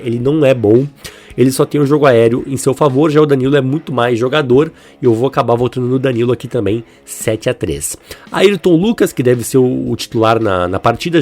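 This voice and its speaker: Congested, sore-throated Brazilian man, husky voice. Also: medium pitch, a little mellow. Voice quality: congested, stuffy-nosed, husky. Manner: conversational, opinionated. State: sick with flu, stuffy nose, inflamed throat. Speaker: football video host. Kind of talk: football commentary, player-by-player comparison. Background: music under the voice.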